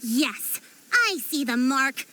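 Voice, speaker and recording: An actress playing a shrewd tribal chief in a video game, measured, composed and authoritative. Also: female voice, high-pitched, very animated, background noise, full character voice. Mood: firm.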